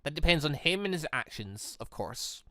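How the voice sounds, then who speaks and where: A man's voice: on the high side, big pitch swings, moderate pace, bright, forceful tone, dry recording, clean studio sound. A man voicing a stern adult woman, a formal and curt academy instructor in a visual novel. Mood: reluctant, curt.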